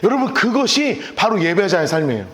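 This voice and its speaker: A man with a very high voice preaches to his congregation in a lively, swooping delivery. He acts out scenes with voices and playful sound effects. The sound carries the echo of a church sanctuary. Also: brisk. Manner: animated storytelling with acted voices and sound effects. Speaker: pastor. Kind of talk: sermon.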